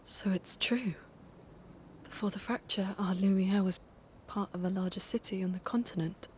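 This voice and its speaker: A woman's voice: mid-range voice, steady tone, moderate pace, darkish tone, a little hiss or hum, close to an everyday voice. An actress playing a serious, analytical young woman who questions her companions, in a game cutscene. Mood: curious. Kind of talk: video game cutscene acting. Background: orchestral game score.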